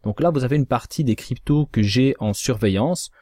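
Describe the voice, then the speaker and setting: Male chart analyst, mid pitch, measured and cautionary, dry booth-like sound. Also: darkish tone, no echo. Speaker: crypto trading analyst. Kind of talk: scripted chart analysis voice-over.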